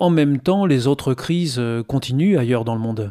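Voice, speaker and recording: Recorded very cleanly against a silent background, a man speaks at a fairly slow pace with a medium pitch and a dark, mellow tone. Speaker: radio host. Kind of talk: radio presenting. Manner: formal.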